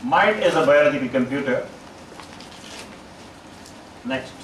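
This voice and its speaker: A middle-aged man with an Indian English accent gives a halting conference talk as a psychologist, full of uh fillers and restarts, on a large auditorium stage. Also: mid-range voice, a bit bright. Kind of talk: conference presentation. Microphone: distant room mic, speaker standing on stage. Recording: echoey auditorium, far from mic, noisy.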